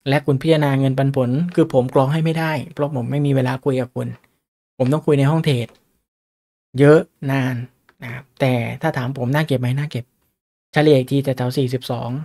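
A man's voice: medium pitch, darkish tone. A man hosting a casual livestream on stock analysis, talking chattily and often asking his viewers rhetorical questions. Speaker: stock market livestream host.

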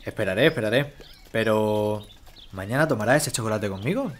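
Actor as a confident, fast-talking male suitor. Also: lowish voice, animated, lightly acted. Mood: flirtatious, patient. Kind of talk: radio drama acting.

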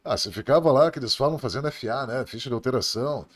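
A man's voice: mid-range voice, racing. A middle-aged man from Brazil, a police officer telling stories on a podcast in a blunt, profane, laughing way. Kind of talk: casual podcast storytelling.

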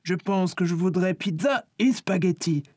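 A man's voice: sits high, moderate pace, a little mellow, no room sound, clean studio sound. A man voicing a kindly, appreciative grandfather in a French cartoon. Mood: delighted.

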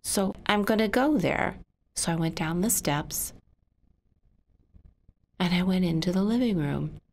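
A woman slowly voicing a signed story aloud, her voice often dropping to a hushed whisper. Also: on the low side, slight background noise.

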